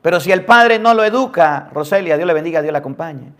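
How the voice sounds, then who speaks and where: A man preaching a sermon, asking the listeners question after question and dropping suddenly to a hush. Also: fairly high pitch, expressive, fast. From Venezuela. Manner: emphatic preaching with rhetorical questions and sudden drops to near-whispers. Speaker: priest.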